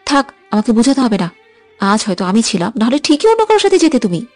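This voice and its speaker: A woman playing a teasing, quick-tempered young woman. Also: fairly high pitch, sing-song, no room sound, faint music behind. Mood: sulky. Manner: playful, sulky and bickering. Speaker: heroine of an audio love story. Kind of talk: dramatized audio story.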